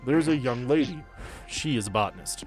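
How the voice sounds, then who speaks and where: A man's voice: medium pitch, lively intonation, fairly quick, faint music behind, low-quality recording. A man narrating a tabletop roleplaying game as game master in a casual, joking way.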